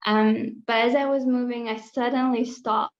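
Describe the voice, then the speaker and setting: A woman from Kazakhstan telling a personal story as an interview guest, earnest and halting, on a slightly dull recording. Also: a little high, fairly even intonation. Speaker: podcast guest.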